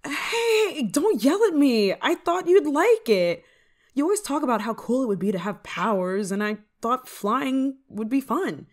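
A woman's voice: on the high side, normal speed, hardly any pauses, close to an everyday voice. A woman playing a flustered, affectionate novice witch in an ASMR roleplay, speaking in a hesitant, fretful way. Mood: sheepish, affectionate. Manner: hesitant, stammering, fretful, sighing. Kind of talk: ASMR roleplay monologue to the listener.

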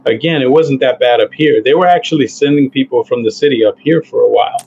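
A man's voice: medium pitch, fast talker, gravelly, dull audio, slight background noise. A man in his forties, a guest talking casually over a video call from a home office, rambling with many fillers. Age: 40s. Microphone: headset.

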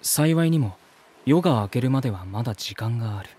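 A man's voice: medium pitch, lively intonation, a little fast, mellow, breathy edge. An actor playing an earnest, polite man who narrates his journey reflectively in an audio drama. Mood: reflective narration.

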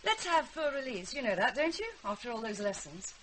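A woman's voice: a little high, very animated, fairly quick, fairly bright tone. An actress playing an anxious, resentful middle-aged mother with an English accent in a British radio drama, by turns sarcastic and pleading. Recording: hissy, noisy radio drama recording.

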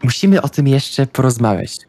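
A man's voice: mid-range voice, sing-song, moderate pace, darkish tone, dry recording. A man playing a tabletop roleplaying game, speaking for his character and describing its actions. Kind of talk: casual in-character game play.

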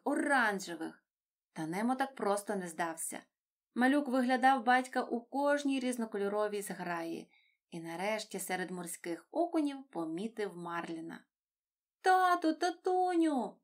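A woman reading a children's story aloud, gentle and expressive. She reads clearly and evenly, at a medium pitch.

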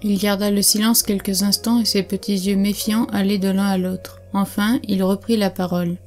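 A woman narrating an audiobook in a measured, even reading. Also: mid-range voice. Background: faint music.

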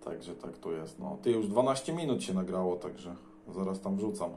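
A Polish man with a dark, relaxed voice makes casual radio small talk. He is recorded indoors in a roomy, echoing space with faint noise. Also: low-pitched, moderate pace. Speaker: CB radio operator. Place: indoors beside a radio transceiver. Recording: echoey room, faint noise.

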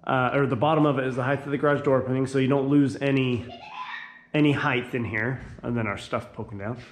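A man giving a casual home tour, rambling and correcting himself, often clearing his throat. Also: mid-range voice, fairly even intonation, fast. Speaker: homeowner giving a house tour. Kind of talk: casual handheld tour narration.

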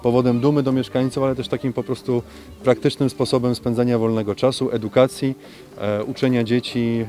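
A man speaking as a local official in a statement for local television, halting with frequent hesitation sounds, recorded outdoors at a zoo. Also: mid-range voice.

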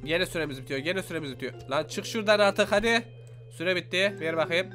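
A young man giving excited let's-play commentary, exclaiming and talking to his viewers as he plays. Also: high-pitched, quick pace. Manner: animated, exclaims and talks to viewers. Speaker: gaming YouTuber. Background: faint game music.

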